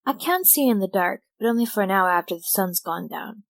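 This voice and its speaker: A woman's voice: mid-range voice, animated, fairly quick, creaky. A woman voicing a dry, protective robot in an audio drama. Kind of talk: audio drama character acting.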